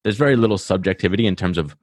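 Very fast and deep-voiced, a man with a Rhode Island accent rattles on enthusiastically in casual podcast chat. He talks at length and keeps restarting his sentences. The sound is studio quality with no room sound.

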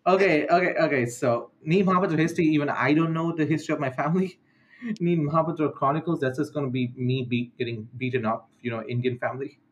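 A man's voice: fairly high pitch, fast talker. A teenage boy from the Maldives hosting a casual chat, rambling and correcting himself as he reads out questions. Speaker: podcast host.

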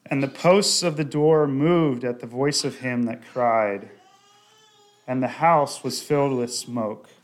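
A man with a mid-range voice preaches a sermon, moving deliberately through a Bible passage and raising his voice whenever he quotes scripture.

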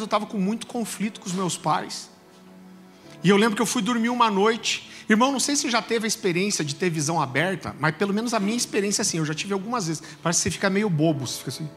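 A Brazilian man preaching a sermon in church, telling a personal story in a lively way and often calling the listeners "brother". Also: sits high. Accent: Brazilian Portuguese. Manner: animated storytelling, addresses listeners as "irmão". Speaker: pastor. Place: church service.

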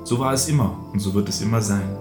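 A man reading aloud the lines of a mysterious, fatalistic disembodied voice in a short story, speaking in calm, solemn statements. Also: on the low side, fast talker, reverberant, music in the background, lightly acted.

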